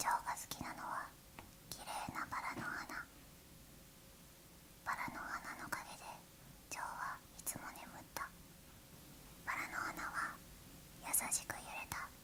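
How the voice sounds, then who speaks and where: A whispering woman at a fairly slow pace, with long, frequent pauses and noticeable background noise. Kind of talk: children's story reading. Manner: whispered.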